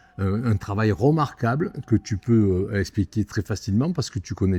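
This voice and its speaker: A man speaks at a fairly slow pace with a fairly low pitch, lively intonation and a dark, mellow tone, somewhat breathy. The recording is very clean, with a silent background and a dry, close sound with no echo. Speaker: event reporter, interviewer. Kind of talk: casual talk to camera.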